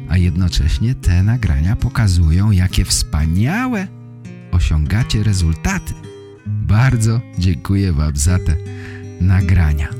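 A man hosting a language podcast addresses learners in measured, clearly phrased speech broken by short pauses. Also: deep voice, sing-song. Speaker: language podcast host and teacher. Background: guitar music.

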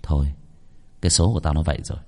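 A man voicing a weary, gruff young man speaking in a low, dejected way. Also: fairly even intonation, rapid-fire, mellow, a little hiss or hum.

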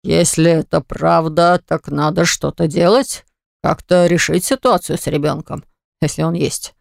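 A woman voicing an older husband and grandfather who speaks calmly and reluctantly. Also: deep voice, gravelly, no echo, clean studio sound, heavily acted. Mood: calming. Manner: calm, measured, grudging.

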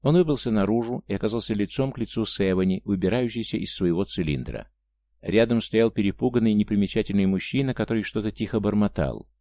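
A man narrating an audiobook in a steady, measured reading. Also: fairly low pitch, dry recording. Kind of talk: audiobook narration of science fiction.

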